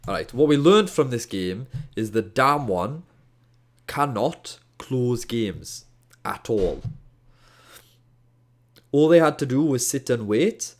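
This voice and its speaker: A man's voice: medium pitch, big pitch swings, slow pace, pauses often. A man with a Welsh accent, tinged with Scottish, casually reviewing a match as an esports caster, exasperated and jokey with slangy asides. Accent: Welsh, with a hint of Scottish. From Wales. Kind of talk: casual game review commentary.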